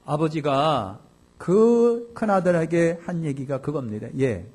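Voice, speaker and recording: A male pastor delivers a lively, colloquial sermon and keeps putting questions to his listeners. His voice sits fairly high for a man. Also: normal speed, husky. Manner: animated, colloquial, questions the congregation.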